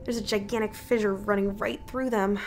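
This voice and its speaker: A woman's voice: medium pitch, fairly even intonation, a little fast, a little hiss or hum, natural voice. Anxious small-town woman played by an actress. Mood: worried. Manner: worried, urgent. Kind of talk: audio drama acting.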